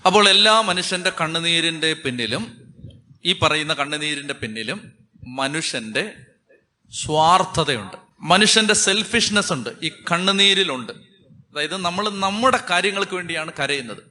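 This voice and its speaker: A man's voice: fairly high pitch, lively intonation, moderate pace, pushed and bright. A man with a Malayali accent, a Catholic priest preaching a sermon with emphatic, repeating phrases.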